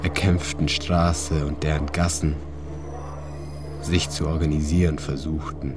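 A man with a very low voice reads a literary story in a calm, measured way, pausing between phrases. Loud music and sound design play under his voice throughout. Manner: calm, measured reading with pauses. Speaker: narrator. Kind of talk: scripted literary narration.

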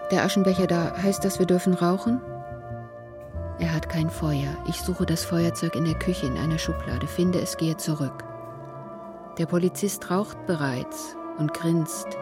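A woman narrating in the inner voice of an anxious mother in a radio play, quiet and halting, sometimes whispering. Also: deep voice. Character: anxious mother of a troubled son.

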